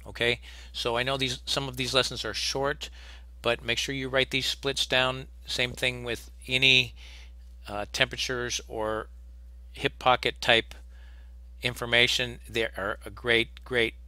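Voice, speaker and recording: A man's voice: mid-range voice, level tone, measured pace, sharp tone, dry recording. A man teaching HVAC technicians in a recorded slide lecture, plainspoken and practical, often restarting his sentences. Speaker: HVAC instructor.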